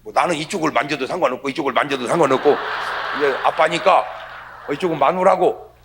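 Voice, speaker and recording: A middle-aged male pastor giving a humorous revival sermon, telling stories with lively acted-out voices and a husky tone. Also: on the high side, fairly quick, noisy background. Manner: animated storytelling, acts out quoted voices with dialect.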